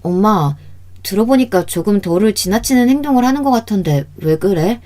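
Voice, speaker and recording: A woman's voice: mid-range voice, animated, normal speed, mellow, lightly acted. A woman voicing an earnest, worried daughter. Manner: earnest, questioning.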